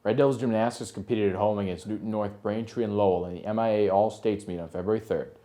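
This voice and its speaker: A man's voice: fairly low pitch, fairly even intonation, fast, mellow. A man reading a local TV sports report, going steadily through scores and results.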